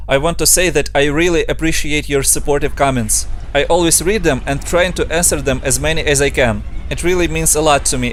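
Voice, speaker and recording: A young man from Ukraine with a Ukrainian accent, calmly talking through a software tutorial step by step. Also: on the high side, a little hiss or hum. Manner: steady step-by-step instructions in non-native English. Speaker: motion design tutor. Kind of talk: screen-recorded software tutorial.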